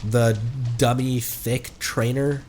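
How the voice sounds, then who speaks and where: A man doing casual live gaming commentary as a streamer, talking in an excitable, rambling way. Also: medium pitch, takes it slowly, a little hiss or hum. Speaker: game streamer.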